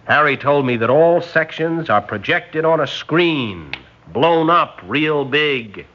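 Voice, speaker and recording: A man playing a scheming male spy who poses as a loyal engineer, with a smooth, sly, sarcastic delivery in a vintage radio drama. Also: fairly high pitch, lively intonation, takes it slowly. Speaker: scientist on a secret propulsion project. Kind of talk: 1950s radio drama acting. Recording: dull lo-fi vintage radio broadcast.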